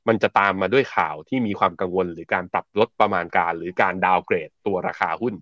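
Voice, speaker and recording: A low-voiced man talks through stock charts in a relaxed, chatty way. His voice sounds dull and close, with no room around it. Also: fast, no echo. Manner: relaxed, chatty, laughs while reading viewer comments. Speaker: co-host and market analyst. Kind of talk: casual market commentary.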